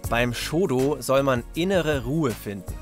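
Faint music sits behind this young adult man as he narrates a children's reportage, keeping his explanations simple and his sentences short and casual. His medium-pitched voice is expressive, and his pace is a little slow.

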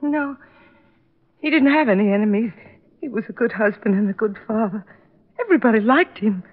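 An actress playing a grieving young widow and mother, distraught and halting, in an old radio drama. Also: on the high side, animated. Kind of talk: 1950s radio drama acting. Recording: tinny narrow-band old radio recording.

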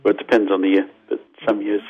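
An older man from Zimbabwe, a scientist guest explaining things thoughtfully in a radio interview, with restarts and lively asides. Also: lowish voice, quick pace, slightly rough. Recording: dull lo-fi phone line.

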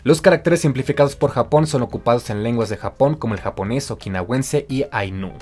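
A man giving a scripted, clear explanatory narration for a language lesson, walking through examples one by one. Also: mid-range voice, brisk, a little mellow. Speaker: language teacher. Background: faint music.

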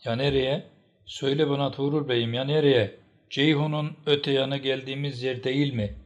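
A man voicing an old tribal matriarch, sharp and scolding as she rebukes the chieftains. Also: medium pitch, fairly even intonation, moderate pace, pitched above the performer's own voice, lightly acted. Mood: angry.

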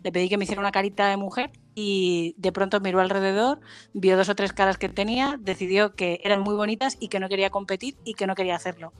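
A woman tattoo artist, a guest chatting casually on a podcast, swearing and laughing easily. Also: mid-range voice.

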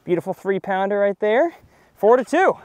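A man's voice: high voice, normal speed. A young man from Texas, hosting a casual fishing vlog from a boat on a lake, joking and exclaiming at every catch. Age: young adult. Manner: excitable, jokey, exclaims at catches. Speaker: fishing video host. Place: open boat on a lake, outdoors.

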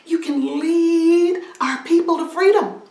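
A woman doing a hushed wise old man. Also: mid-range voice, animated, a little slow, voice pushed down. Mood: firm urging. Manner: hushed, soft and urging. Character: wise gentle old male elder. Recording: roomy, from a distance.

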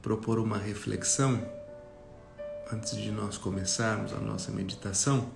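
A Brazilian man speaks as a meditation guide in a lowish, creaky voice. He addresses a group reflectively, leaving long pauses between phrases. Faint music plays behind him. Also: level tone, roomy sound. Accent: Brazilian Portuguese. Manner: slow, pausing, reflective.

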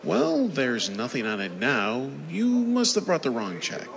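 A man's voice: medium pitch, wildly swooping pitch, unhurried, creaky, fairly bright tone, heavily acted. A man playing a courteous, deferential bank teller in a 1930s style radio drama. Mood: polite puzzlement. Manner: polite, deferential. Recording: long reverb, faint background noise.

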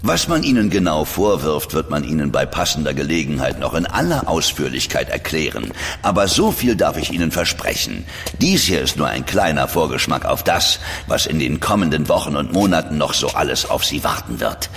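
A man's voice: very deep voice, very animated, moderate pace, gravelly, a bit bright, long reverb tail, heavily acted. An actor playing a brutal, sneering constable in a radio play, mocking and threatening his prisoner. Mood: gloating. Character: brutal sneering male constable, sadistic jailer.

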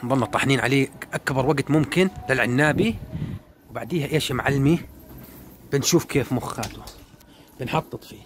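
A man, giving a casual, animated running commentary while flying his pigeons outdoors. He repeats words and calls out to the birds. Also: mid-range voice, fast, pauses often, a little hiss or hum. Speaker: pigeon keeper vlogger.

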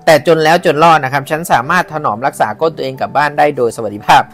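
A man's voice: a little high, expressive, fast talker, fairly bright tone, faint music behind. A man reading a travel book aloud in a casual way, breaking in with chatty asides and exclamations. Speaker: book reader and podcast host.

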